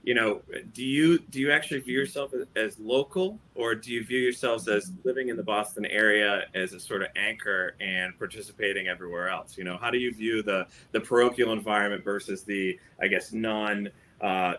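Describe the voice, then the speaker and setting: A man moderating an investor panel over a video call, putting questions to the panel in a relaxed, chatty way. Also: lowish voice, fairly quick, slight background noise. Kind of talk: panel discussion.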